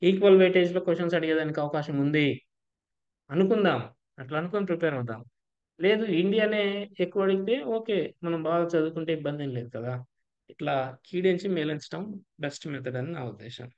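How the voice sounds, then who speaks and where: Male coaching teacher, fairly high voice, dull lo-fi class audio, explanatory. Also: fast, darkish tone. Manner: explanatory, mixes English terms, checks in with students. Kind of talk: online exam-prep lecture.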